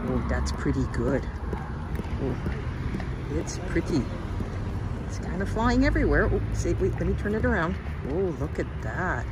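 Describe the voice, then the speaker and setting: Slow, lively woman coaxing her pets. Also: on the low side. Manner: coaxing, doting baby talk to dogs. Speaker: pet owner filming her dogs. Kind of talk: casual chat to pets. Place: outdoors in a parking lot beside a car. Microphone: handheld phone camera. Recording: noisy outdoor handheld phone recording.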